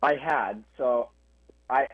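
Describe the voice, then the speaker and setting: A man's voice: mid-range voice, slow, no room sound. Young man on a tinny phone line. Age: young adult. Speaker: guest. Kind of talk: radio interview answers.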